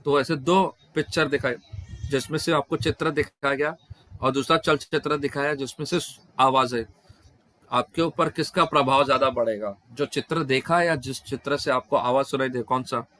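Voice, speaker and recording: A man's voice: mid-range voice, fairly even intonation, moderate pace, fairly bright tone. A man interpreting questions and answers at a devotional scripture class over an online video call, often breaking off and restarting words mid-phrase.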